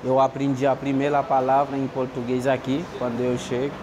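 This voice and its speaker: A man's voice: medium pitch, monotone, brisk, over loud music. A man whose first language is Spanish, speaking hesitant Portuguese as an immigrant. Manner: hesitant non-native speech. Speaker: immigrant interviewee.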